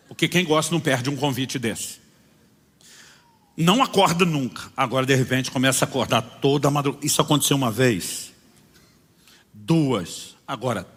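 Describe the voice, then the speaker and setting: A man's voice: mid-range voice, breathy edge. A man preaching as a pastor, telling stories and voicing the people in them. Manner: animated storytelling, voicing people in his stories. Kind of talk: sermon with acted-out anecdotes. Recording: long hall reverb.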